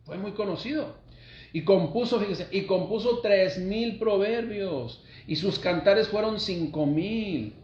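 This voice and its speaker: A man's voice: sits high, measured pace, a little mellow. A man, preaching an expository sermon as a pastor. He reads scripture aloud and then explains it with asides to the listeners. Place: house of prayer. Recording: echoey room, dull lo-fi sound.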